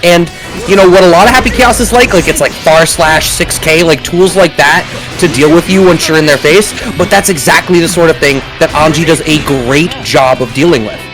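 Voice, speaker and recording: A man commentating a fighting game tournament, excitable and animated, breaking into shouts at big plays. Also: on the high side, moderate pace, rough recording. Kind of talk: esports play-by-play commentary. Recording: music playing underneath.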